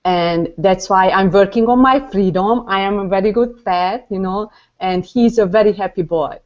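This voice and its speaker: A young woman from Hungary with a Hungarian accent, halting and searching for words as she introduces herself on a video call. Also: medium pitch. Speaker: guest on a video hangout. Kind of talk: casual self-introduction. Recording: dull lo-fi video call audio.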